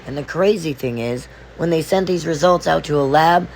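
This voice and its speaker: A hoarse man losing his voice, narrating a playful explainer vlog as its host. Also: on the high side, normal speed, slight background noise, low-quality recording. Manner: animated, playful storytelling. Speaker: video host.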